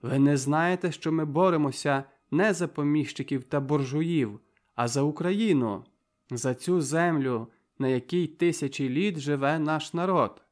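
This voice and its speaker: A man reading the part of a tall young captured soldier, speaking in a sharp, impassioned voice in an audiobook. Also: a little high, a little slow, lightly acted. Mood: defiant pleading. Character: fiery tall young male soldier prisoner. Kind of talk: audiobook character voice.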